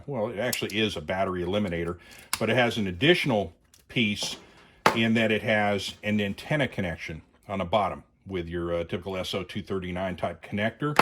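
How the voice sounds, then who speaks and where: A man with a fairly low voice presents a piece of gear in a casual, conversational way. He hesitates and corrects himself as he goes, like someone explaining his own kit on a video. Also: fairly bright tone. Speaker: host of a radio gear review video. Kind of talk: casual product demonstration.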